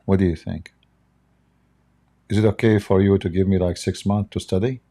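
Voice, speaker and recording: Man, hoarse livestream host, gravelly and dark, rambling jokey chat. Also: low voice, steady tone, normal speed. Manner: joking, rambling while fiddling with software. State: hoarse, losing his voice, coughing.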